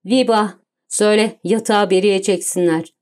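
A woman reading the lines of a suave, commanding gentleman thief in an audiobook, cool and self-assured. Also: mid-range voice, steady tone, moderate pace, lightly acted. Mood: calm, commanding.

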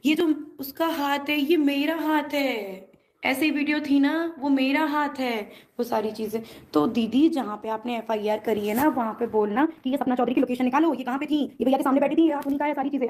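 A woman vlogger chatting quickly and directly to her viewers from a room at home. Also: high voice, fairly even intonation, darkish tone. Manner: chatty, rushed, keeps asking if viewers can hear her. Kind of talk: casual vlog talk to viewers.

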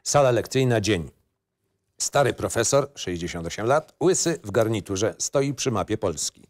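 A man's voice: lowish voice, lively intonation, moderate pace, no echo. A man narrating a screenplay in short, matter-of-fact phrases. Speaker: narrator reading stage directions. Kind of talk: scripted narration, screenplay reading.

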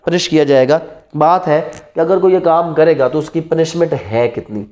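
This man in his thirties teaches law with a Pakistani accent, his voice on the high side, darkish in tone, and moderate in pace. His classroom lecture, given indoors before a whiteboard, switches between Urdu and English terms, and he leans on rhetorical questions and repeated key terms.

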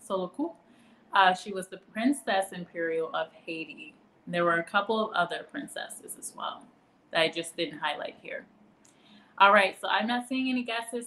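A woman's voice: medium pitch, fairly bright tone. A woman in her thirties hosts a trivia quiz on a live stream, reading questions and greeting viewers by name between laughs. Her voice carries a roomy echo from a small room at home. A faint noise sits under it.

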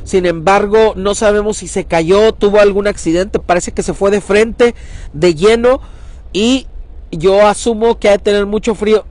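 High-voiced man reporting live outdoors. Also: steady tone, moderate pace, no room sound. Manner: urgent, calls out loudly across the river. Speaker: local news reporter. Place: outdoors at a riverbank.

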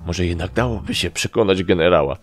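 Brief: man as a rigid, nervous captain, low gravelly voice, storybook. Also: soft background music. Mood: stiff. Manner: stiff, hurried. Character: stiff anxious male army captain.

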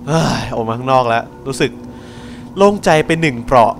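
Joking, lively young Thai gamer man. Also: medium pitch, fairly quick, background noise. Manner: crude, joking, talks to the game. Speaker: gameplay commentator. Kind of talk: casual horror game commentary.

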